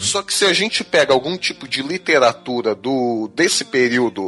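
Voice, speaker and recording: A fairly slow delivery with lively intonation over music in the background. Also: man. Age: 30s. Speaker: podcast co-host. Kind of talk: casual chat.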